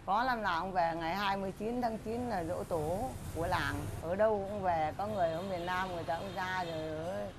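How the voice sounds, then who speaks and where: An elderly woman with a Bac Ninh countryside accent, telling stories of her craft family in a plain, unhurried interview manner. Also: on the low side. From Dai Bai village, Bac Ninh, northern Vietnam. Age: older. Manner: plain storytelling, recites an old saying. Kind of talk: casual interview. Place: her home on a busy shopping street. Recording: noisy street background.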